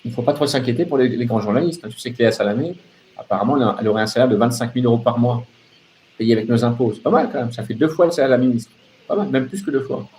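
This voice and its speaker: A man's voice: mid-range voice, very fast, a little mellow, slight background noise. A man delivering an off-the-cuff political rant as a live open-line host, sardonic and emphatic, repeating phrases and throwing out rhetorical questions.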